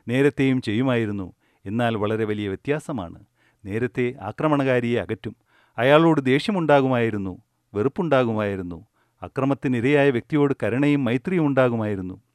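A man who teaches meditation gives a spiritual discourse in a calm, measured and earnest way. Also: mid-range voice, no room sound.

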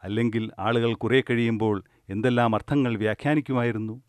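Calm man giving a dry, close spiritual talk. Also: mid-range voice, brisk, clear, resonant tone, dry recording. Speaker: meditation teacher. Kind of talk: spiritual discourse.

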